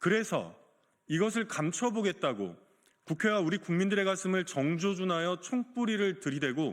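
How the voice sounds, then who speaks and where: On a very clean recording with a silent background, a man speaks at a moderate pace in a high pitch, with lively intonation and very even loudness. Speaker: party spokesperson. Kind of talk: press briefing. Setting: press conference room. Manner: formal.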